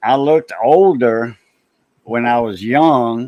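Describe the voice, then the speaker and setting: Recorded in a dry, close sound with no echo, a man with a normal speaking voice has a medium pitch and ordinary pitch variation. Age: 60s. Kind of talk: casual chat.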